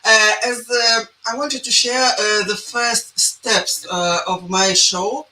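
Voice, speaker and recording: A woman from Lithuania with a Lithuanian accent, a guest speaking halting non-native English with many pauses. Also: a little high, fairly even intonation, bright, forceful tone. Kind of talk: hesitant guest talk. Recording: roomy distant call audio with faint noise.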